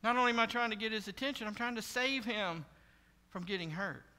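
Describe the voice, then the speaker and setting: A male pastor preaching a sermon in a church, talking conversationally and dropping to hushed asides before shouting out warnings. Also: high voice, brisk. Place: church sanctuary. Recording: church hall with long reverb.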